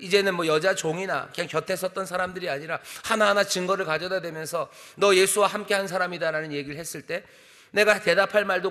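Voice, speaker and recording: A man's voice: high voice, pushed and bright, big-room sound. A male senior pastor giving an earnest dawn sermon in a church, asking many rhetorical questions. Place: church sanctuary.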